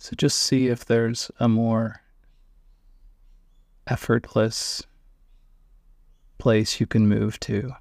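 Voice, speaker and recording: Male meditation guide: even, unvarying pitch, close dry sound, gentle spaced-out instructions. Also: gravelly, no echo. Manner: gentle instructive phrasing with long pauses.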